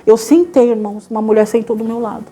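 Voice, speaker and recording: A woman with a São Paulo Brazilian accent gives a church testimony, telling her story to the congregation in an earnest, halting way, with faint music behind her. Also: on the high side, fairly even intonation, warm tone, breathy edge. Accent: Brazilian Portuguese, São Paulo. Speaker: church member giving testimony.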